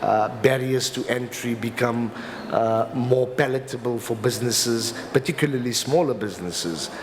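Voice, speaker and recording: South African man speaking in a reverberant hall. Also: mid-range voice. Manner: halting, hesitant delivery with repeated words. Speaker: company lawyer speaking as a summit panelist. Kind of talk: explanatory conference talk. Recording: reverberant hall with clear background noise.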